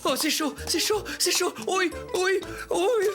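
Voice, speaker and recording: A man voicing a kindly, playful young father in a children's cartoon, gentle and reassuring in manner. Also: very high-pitched, slow pace, music in the background. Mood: flustered. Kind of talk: animated children's cartoon voice acting.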